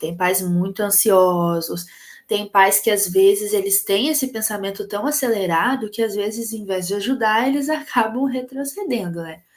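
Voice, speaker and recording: Moderately paced speech from a woman, audible room echo around it. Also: medium pitch for a woman, ordinary pitch variation. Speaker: teacher. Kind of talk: online class lecture. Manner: animated.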